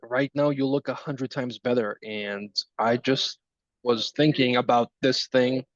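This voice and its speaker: A man in his twenties chatting casually in a group session, teasing and chatty with halting starts. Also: mid-range voice, fairly even intonation, dry recording, muffled recording. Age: 20s. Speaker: group participant. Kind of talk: casual chat.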